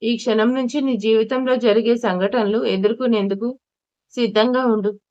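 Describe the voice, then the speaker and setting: A gloating villain, a man who holds a woman captive and barks curt orders, as a woman storyteller reads him in a fairly high voice. It is an audio storybook reading on a muffled, lo-fi recording. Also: fairly even intonation, moderate pace, darkish tone, lightly acted. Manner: curt, commanding. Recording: dull lo-fi recording.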